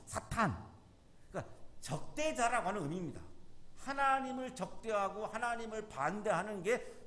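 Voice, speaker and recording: Guy giving a chapel sermon, fairly high voice, explains things patiently then gets loud on the quotes. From South Korea. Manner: explanatory, acts out quoted lines loudly. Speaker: chaplain preaching. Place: university chapel.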